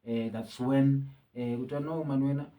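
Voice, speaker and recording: South African male musician guest, easygoing, hesitant restarts, mid-pitched. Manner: relaxed, halting with many restarts. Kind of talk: casual interview, code-switching.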